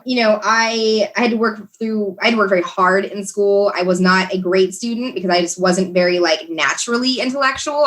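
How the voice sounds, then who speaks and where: A woman's voice: medium pitch, a bit bright. Chatty woman telling her story. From Texas, USA. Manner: earnest and chatty, many "like" and "you know" fillers. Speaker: podcast guest. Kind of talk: telling her life story in a casual interview.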